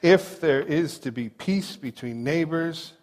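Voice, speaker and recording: A man from New Hampshire, a pastor who gives a chatty sermon full of personal stories, and he slows down to read quotations. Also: on the high side, darkish tone. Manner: conversational and joking, reads quotes slowly. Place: large church sanctuary. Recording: long reverb of a big hall.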